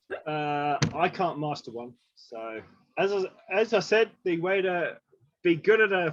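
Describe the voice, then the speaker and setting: With an English accent, a man speaks using lively intonation. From England. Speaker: podcast co-host. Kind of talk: podcast interview.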